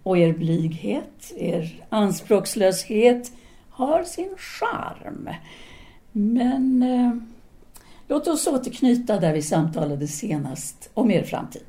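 A woman's voice: medium pitch, big pitch swings, warm tone, natural voice. A woman acting in an audio drama as a self-assured female philosophy teacher in 1930s Paris, speaking in an articulate, formal, didactic way. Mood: confident, probing.

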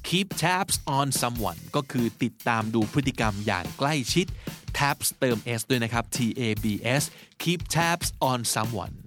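A male podcast host giving a scripted vocabulary lesson, explaining each term clearly and spelling words out letter by letter. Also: medium pitch, fairly bright tone.

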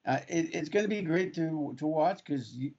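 A man's voice: fairly high pitch, normal speed, creaky, a little mellow, lo-fi sound. A man co-hosting a radio talk show from a remote location, rambling with frequent restarts and fillers. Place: remote studio in Kamloops.

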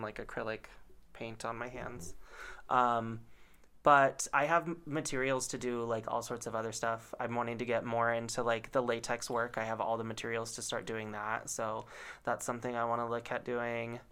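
A man's voice: medium pitch, bright, forceful tone, clean tone. A man co-hosting a podcast, chatting casually and backing up his friend with frequent agreement. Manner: supportive, frequent agreeing murmurs. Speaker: podcast co-host. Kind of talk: casual chat.

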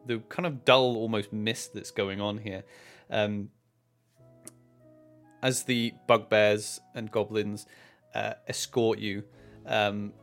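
A man working as game master, improvising descriptive narration for a tabletop game with hesitant pauses mid-phrase. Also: lowish voice, a bit bright.

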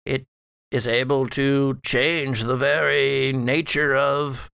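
A man playing a wry, scheming, scholarly old ancestor back from death in a tabletop horror game, speaking haltingly and formally. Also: mid-range voice, little pitch movement, creaky, a bit bright, smooth, dry recording, clean studio sound. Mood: measured, secretive. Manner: halting, deliberate, formal phrasing. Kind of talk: improvised tabletop horror roleplay.

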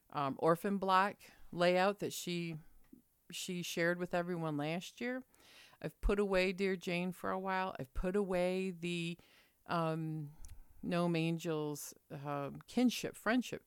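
A woman's voice: low-pitched, clean tone, dry recording, studio quality. A middle-aged woman vlogging in a chatty, rambling way with fillers. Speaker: quilting vlogger. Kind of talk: casual chat.

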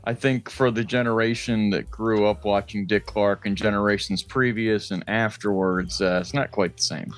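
A man's voice: on the low side, fairly even intonation, moderate pace, hardly any pauses, soft background music. A man co-hosting a casual comedy podcast, talking in a rambling, loose way with some swearing. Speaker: podcast co-host.

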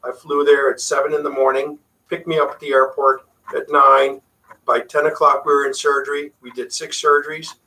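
A man's voice: mid-range voice, normal speed, far from the mic, poor audio. A middle-aged man from Puerto Rico whose first language is Spanish, a facial plastic surgeon chatting casually as a guest. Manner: relaxed, chatty, frequent fillers. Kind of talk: casual interview chat.

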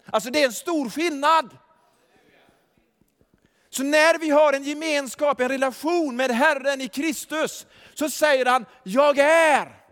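A pastor preaching in a high, light voice that carries through a reverberant church hall. He moves from hushed, chuckling asides to loud, emphatic declarations. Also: steady tone. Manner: chuckles often while telling. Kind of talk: sermon. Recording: long reverb of a large hall.

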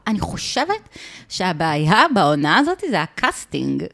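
A woman's voice: on the low side, sing-song, creaky, a bit bright. An Israeli woman co-hosting a podcast in casual chat about a reality show, opinionated and teasing, often mimicking others. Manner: opinionated, teasing, mimics people she discusses. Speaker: podcast co-host.

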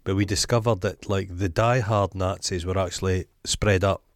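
Blunt Scottish man, low voice. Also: steady tone, normal speed, no room sound. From Scotland. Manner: blunt, opinionated, swears freely. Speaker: podcast host. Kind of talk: casual chat.

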